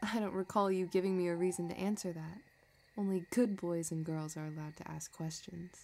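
A woman playing a possessive, sadistic villainess who dotes obsessively, condescending and softly menacing, in an intimate audio roleplay. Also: on the low side, fairly even intonation, fairly quick, vocal fry. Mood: condescending, threatening.

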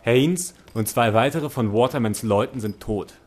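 A man's voice: medium pitch, unhurried, darkish tone, close to an everyday voice. A man playing an earnest, respectful junior police constable in a crime audio drama. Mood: earnest, admiring. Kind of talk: radio play acting.

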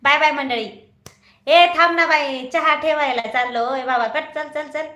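High-voiced, bright, chatty woman livestreamer. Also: fairly even intonation, moderate pace, roomy sound. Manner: chatty, teasing, laughs often. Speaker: livestream host. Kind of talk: casual live chat reading viewer comments.

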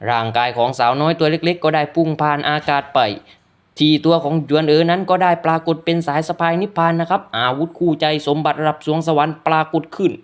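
A man's voice: on the high side, fast, smooth. A man retelling a fantasy story as a narrator, polite and loose, often correcting himself. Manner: polite, adds frequent polite particles, loose retelling with self-corrections.

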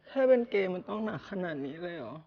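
A man playing a distraught son in an emotional drama, crying as he pleads and apologizes in a creaky voice. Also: sits high, animated, racing, muffled recording. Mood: tearful pleading. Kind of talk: emotional screen drama acting.

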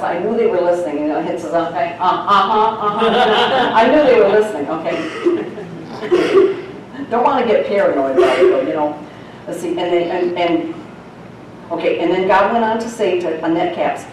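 A woman teaches the Bible to a church congregation in a folksy, chatty manner, laughing often. Her voice is lowish, with slight background noise. She's recorded from far off in an echoey church sanctuary.

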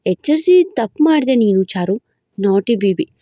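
A woman voicing a playful, cocky young husband in a storybook romance, with a low, smug, teasing drawl. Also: lively intonation, normal speed, warm tone, no echo, lo-fi sound. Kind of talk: storybook narration with voiced roles.

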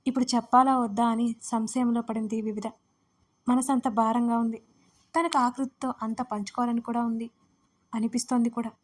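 A woman narrating an emotional romance audio story in a steady, gentle storytelling manner. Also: on the high side, moderate pace.

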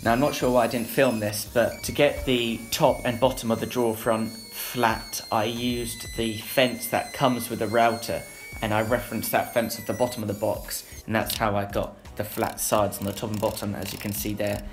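A young man narrating a woodworking build in a relaxed voice-over, with frequent filler sounds. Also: lowish voice, moderate pace. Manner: plain, easygoing, frequent "uh" fillers. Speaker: woodworking channel host. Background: background music.

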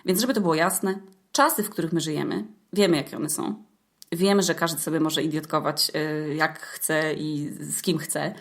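A woman's voice: low voice, fairly even intonation, moderate pace. A young woman hosting a podcast as a chatty, colloquial, playful monologue with some mock drama. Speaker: podcast host. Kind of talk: casual humorous monologue to listeners.

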